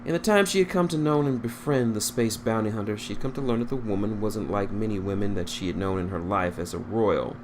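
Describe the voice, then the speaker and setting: Guy with a low voice reading a story out loud, trips on words sometimes, noisy background. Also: fairly quick, hardly any pauses. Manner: stumbles over words and rereads phrases. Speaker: fan fiction reader. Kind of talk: storybook-style narration read aloud.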